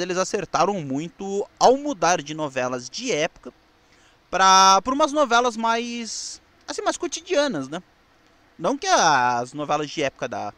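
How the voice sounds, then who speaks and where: Male presenter, Brazilian accent, high voice with very varied intonation, informational delivery with casual asides. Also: fairly bright tone, dry recording. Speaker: presenter of a TV history programme.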